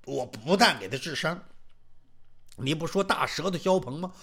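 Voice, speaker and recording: A bold, boastful Taoist doctor in his nineties, as a male storyteller puts him on, proud of his skill and defiant toward threats. The voice sits high and swings lively, with a bright edge. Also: moderate pace, vocal fry, breathy edge, heavily acted. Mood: proud boasting. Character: feisty 94-year-old male Taoist doctor.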